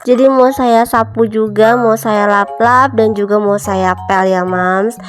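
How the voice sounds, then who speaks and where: A woman in her thirties narrating a home cleaning vlog, her voice a little nasal from a cold, chatting warmly to viewers she calls moms and friends. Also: on the high side, fairly even intonation, a little slow. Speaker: home vlogger, mother. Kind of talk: casual chatty voice-over narration. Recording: faint music behind voice-over.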